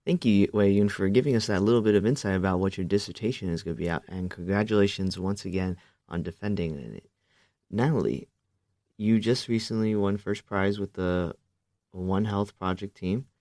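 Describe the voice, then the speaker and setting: A man's voice: low-pitched, dark tone, no room sound, clean studio sound. A man hosting a radio interview, asking questions politely and congratulating his guests. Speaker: radio host. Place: radio studio.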